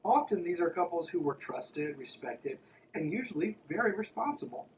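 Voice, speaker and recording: A man's voice: high-pitched, big pitch swings, moderate pace, far from the mic, a little hiss or hum, rough recording. A man hosting a podcast, reading aloud and breaking in with mocking, irreverent, conversational asides. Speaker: podcast host.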